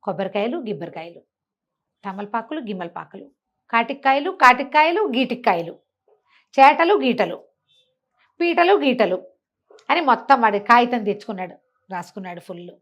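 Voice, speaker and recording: A woman's voice: fairly high pitch, expressive, moderate pace, long pauses. A woman telling an oral story in a colloquial, conversational way, putting rhetorical questions to her listener.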